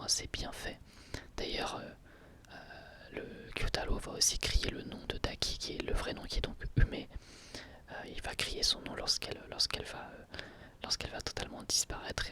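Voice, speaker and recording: A man whispering an ASMR review of an anime episode as the channel host, speaking hesitantly with frequent filler sounds and restarts. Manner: soft whisper throughout.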